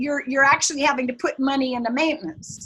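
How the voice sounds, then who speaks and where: A woman with an American accent uses a raised, projected voice, high in pitch with a bright, sharp tone. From US South, Virginia. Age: 70s. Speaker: activist and systems thinker. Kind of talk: interview. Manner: halting, many restarts.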